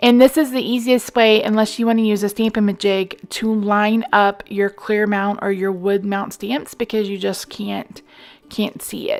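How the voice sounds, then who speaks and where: Her pitch fairly high, a woman uses a normal speaking voice at a moderate pace. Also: fairly even intonation. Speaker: card making crafter. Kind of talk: tutorial. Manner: casual, chatty.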